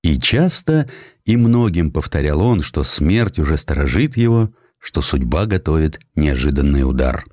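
Deep-voiced, expressive male audiobook narrator. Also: normal speed, no room sound, studio quality. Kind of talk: dramatic scripted narration of historical prose.

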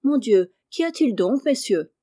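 Storybook fright: a woman doing a plump little lady, shrill and panicky, warm mellow timbre. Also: lively intonation, unhurried, dry recording, clean studio sound. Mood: frightened. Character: fussy plump little middle-aged lady, easily frightened.

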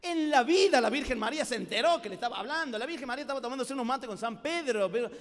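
A man with a Rioplatense Spanish accent preaches a lively youth sermon. He tells stories and acts out every voice in them. His voice sits high, and a long reverb from the large hall trails after each phrase. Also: racing. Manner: animated storytelling with acted-out voices.

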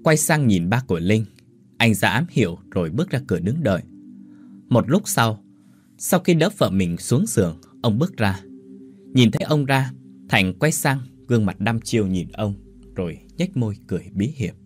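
A man narrating a dramatic ghost story in an animated, lively way, putting on voices for the characters. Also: lowish voice, moderate pace, soft background music.

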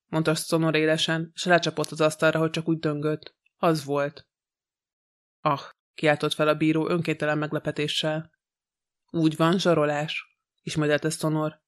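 A man reading a detective novel aloud as an audiobook narrator, in a measured, even way. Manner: even, measured reading with little pitch movement.

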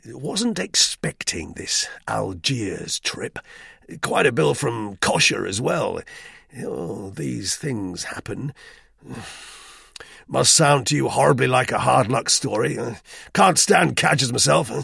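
A man's voice: mid-range voice, sing-song, takes it slowly, vocal fry, a bit bright, slightly rough, dry recording, clean studio sound, pitched above the performer's own voice, full character voice. A man doing a blustering, awkward army major. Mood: embarrassed. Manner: blustering, hearty, awkward with forced cheer. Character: embarrassed bluff English army major, middle-aged. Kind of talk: audiobook character voice.

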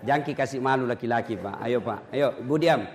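A man's voice: medium pitch, brisk. A middle-aged man, preaching a humorous sermon to a mosque gathering and teasing his listeners. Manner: joking, lively, teasing the audience.

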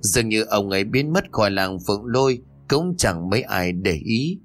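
A man reading a scripted ghost story aloud in a steady, measured way. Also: fairly low pitch. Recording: faint music under the voice. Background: soft background music.

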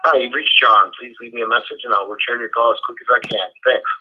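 A man's voicemail greeting played back through an answering machine on a narrow, tinny phone line. He talks at a middling pitch and rattles it off quickly and matter-of-factly, like a message recorded once and left to play. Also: fairly even intonation, slight background noise. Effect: answering machine greeting heard over a phone call.

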